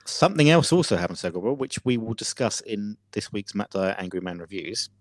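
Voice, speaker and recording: Guy spinning a dramatic yarn on a podcast, lowish voice, dead dry sound. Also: lively intonation, fairly quick, no echo. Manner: theatrical storytelling, hesitant with fillers. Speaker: podcast co-host. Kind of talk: casual chat.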